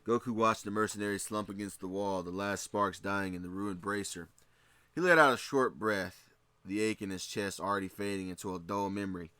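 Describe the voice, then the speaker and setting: A man narrating a fan fiction story in a steady reading, with occasional slips and restarts. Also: fairly low pitch, a little fast, no echo.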